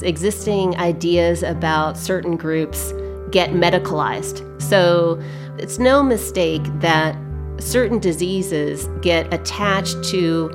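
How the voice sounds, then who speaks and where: A woman historian giving measured explanations in an interview. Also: lowish voice.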